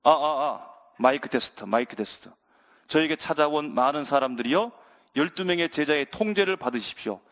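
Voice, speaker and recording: A man's voice: on the high side, expressive, brisk, a bit bright, pitched below the performer's own voice. A man voicing Jesus in a sermon, first as a mock formal announcer testing a microphone and then scolding disciples. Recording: reverberant church hall.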